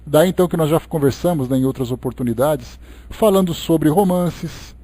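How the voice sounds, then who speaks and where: Mellow, higher-pitched Brazilian man lecturing. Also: normal speed. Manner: didactic, conversational asides. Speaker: lecturer leading a Spiritist book study. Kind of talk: expository study talk, reading aloud and explaining.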